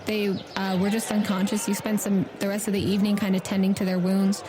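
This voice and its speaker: A woman's voice: medium pitch, flat delivery, brisk. Casual woman game master, noisy background. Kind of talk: casual tabletop game narration.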